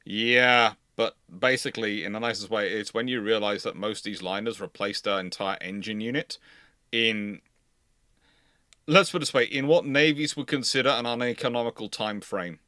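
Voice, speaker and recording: A man with a bright, forceful voice and a dry, close sound hosts a live history stream. He talks casually and explains at length, wandering off into asides and repeating himself as he goes. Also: lowish voice, normal speed, dry recording.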